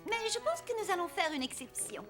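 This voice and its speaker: A woman's voice: extremely high pitch, wildly swooping pitch, brisk, exaggerated voice. A woman voicing a kind, playful young babysitter in a children's cartoon, bubbly, coaxing and sing-song. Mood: playful pretending. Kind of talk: children's cartoon dub acting. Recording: loud music behind the voice.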